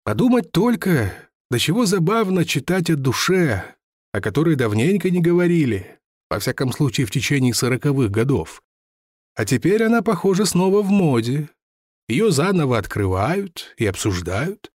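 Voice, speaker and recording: A man's voice: on the high side, sing-song, moderate pace, darkish tone, no echo, studio quality, voice pushed up. A man doing a pompous, raised-voice old lottery seller. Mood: musing. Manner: pompous, stiffly polite, talkative. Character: touchy, formal lame older lottery seller. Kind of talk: audiobook character reading.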